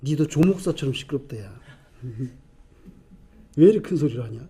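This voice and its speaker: A preacher doing gruff annoyed bystanders. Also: male voice, medium pitch, expressive, normal speed, dark tone, voice pushed down. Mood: irritated. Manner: gruff, impatient scolding. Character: annoyed male bystanders scolding a loud beggar.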